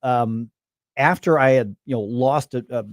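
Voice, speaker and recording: A man in his fifties hosting a morning radio talk show, chatting in a loose, halting way and circling back on his phrases. His voice sits at a middle pitch. He is recorded close and dry on a studio mic. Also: no room sound. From United States. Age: 50s. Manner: chatty, halting, with restarts and laughs. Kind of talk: casual radio interview. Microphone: studio microphone.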